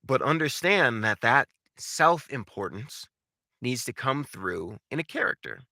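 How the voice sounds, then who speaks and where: Animated, bright-voiced man coaching. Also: medium pitch, unhurried, vocal fry, no echo, clean studio sound. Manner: emphatic, theatrical, repeats key words for stress; conversational, informal asides. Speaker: voice acting coach. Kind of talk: instructional talk with numbered tips.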